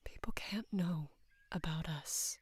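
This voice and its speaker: A young woman in her twenties playing a devoted female knight in love with her queen, speaking hesitantly and deferentially in a soft, breathy voice for intimate roleplay audio. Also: on the low side, dry recording, whispered. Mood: flustered, pleading. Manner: hesitant, halting, deferential, earnest.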